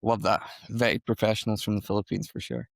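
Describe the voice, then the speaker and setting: A man's voice: lowish voice, flat delivery, brisk, vocal fry, no room sound, clean studio sound. A man hosting a podcast interview, talking in an upbeat, enthusiastic, chatty way. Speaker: podcast host.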